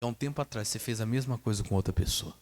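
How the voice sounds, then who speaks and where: A man's voice: fairly low pitch, very fast, a little mellow. A man with a Brazilian Portuguese accent preaching a sermon as pastor, emphatic, putting questions to the congregation and swinging his voice up and down. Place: church hall. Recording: echoey hall reverb.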